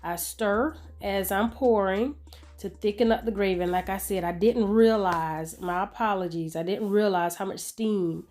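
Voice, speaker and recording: A woman's voice: mid-range voice, normal speed, a little mellow. Chatty woman narrating her home cooking. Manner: chatty, homey, addresses viewers as y'all. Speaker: home cook and channel host. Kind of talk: casual cooking tutorial narration.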